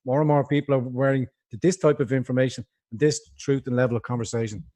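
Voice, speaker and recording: A man's voice: medium pitch, steady tone, fast talker, mellow. Impassioned Dublin man, rambling. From Ireland. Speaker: guest. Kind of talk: livestream interview.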